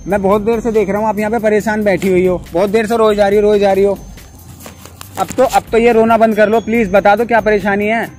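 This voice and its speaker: A man's voice: sits high, flat delivery, fairly quick, darkish tone, faint music behind. A young man hosting a prank video in a park, chatting casually and coaxing with constant "yaar". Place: outdoor park.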